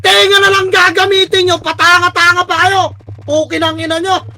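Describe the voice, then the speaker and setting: A woman shot-calling her team during live gameplay, barking rapid commands, swearing constantly at her teammates, and often shouting in exasperation. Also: very high-pitched, level tone, no echo, low-quality recording. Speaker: team commander in an online strategy game.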